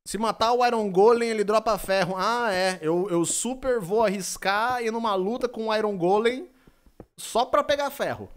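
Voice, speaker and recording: A man's voice: high voice, moderate pace, clear, resonant tone. A young man from Brazil with a Brazilian Portuguese accent, chatting playfully on a live stream while gaming and reading his chat aloud. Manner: playful, joking, reads chat aloud, rambling.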